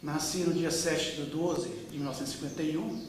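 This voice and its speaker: A man in his fifties from Brazil speaks in a fairly high voice, slowly reminiscing with frequent pauses and fillers. He sounds distant from the microphone in a very echoey room with a long reverb tail, and a faint hiss sits underneath. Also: fairly even intonation. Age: 50s. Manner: unhurried, with many pauses and fillers. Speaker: interviewee. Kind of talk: reminiscing oral-history interview. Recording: echoey room, mic far off.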